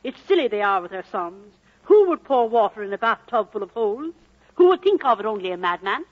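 A woman's voice: mid-range voice, big pitch swings, fairly quick. A scolding, scornful Welsh mother. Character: feisty, scolding Welsh mother and miner's wife. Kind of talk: vintage film drama acting. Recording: dull vintage film soundtrack.

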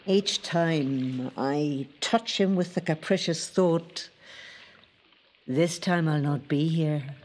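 A woman's voice: low voice, a little mellow. A woman playing the possessive, capricious spirit of a lake in a poetic audio drama, speaking in an intimate, incantatory way.

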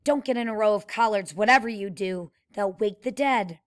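A woman's voice: mid-range voice, normal speed, natural voice. A woman reading the lines of a bossy, impatient older brother of about twelve from a novel. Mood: hushed. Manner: impatient, commanding. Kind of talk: read-aloud character voice.

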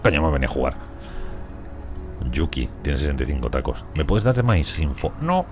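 A gaming streamer with a Spain Spanish accent and a rumbling low voice swings widely in pitch while speaking a little fast, with soft background music behind him. His casual let's play commentary is rambling and chatty, and he talks to his colonists.

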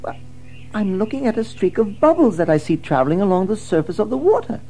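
A woman's voice: medium pitch, very animated, fast talker, dark tone, a little hiss or hum, low-quality recording. A woman playing a timid, polite and naive young mole in a children's audio drama, hesitant and easily awed. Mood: polite, eager. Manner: hesitant, breathy exclamations of wonder.

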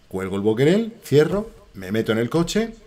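Middle aged spain spanish guy streaming games, loud swearing storyteller, mid pitch, echoey room. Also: sing-song, normal speed. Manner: loud, swearing, jokey anecdotes. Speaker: streamer and voice actor. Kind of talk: casual livestream storytelling.

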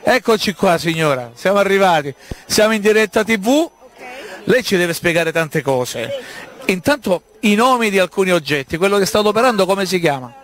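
Chatty man reporting live, higher-pitched. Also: animated, moderate pace, a bit bright. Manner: chatty, inquisitive. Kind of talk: live on-location interviewing. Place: outdoors at a busy village street festival.

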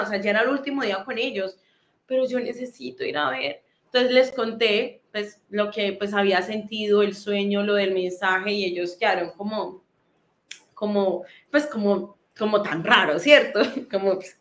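A young woman shares a heartfelt personal testimony. Her voice sits a little high, and she talks in loose, repeating phrases with many fillers. The room around her adds a clear echo. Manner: heartfelt, many fillers and repetitions, soft laughs. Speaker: guest giving a testimony. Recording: roomy echo.

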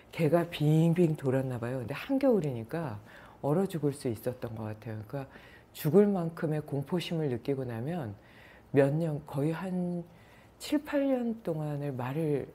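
A woman meditation yoga teacher telling stories in a soft-spoken, unhurried way. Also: deep voice, husky. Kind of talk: storytelling talk.

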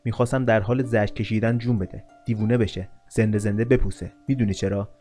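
A man's voice: lowish voice, steady tone, mellow, faint music behind, natural voice. A man voicing an arrogant, desperate nobleman who hurls insults, then pleads and confesses in an audiobook reading. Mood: confessing.

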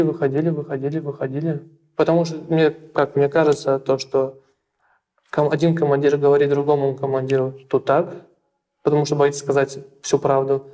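Young man, dark mellow voice, halting. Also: fairly high pitch. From Russia. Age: young adult. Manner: halting, repeats words, many fillers. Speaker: interviewee. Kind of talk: interview. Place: small plain room indoors.

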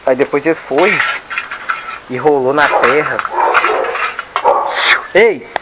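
A man's voice: medium pitch, steady tone, unhurried, heavy background noise. A man giving casual running commentary while he works with his dogs outdoors, coaxing and scolding them as he goes. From Brazil. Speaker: dog owner vlogger. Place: outdoor yard with dog kennels.

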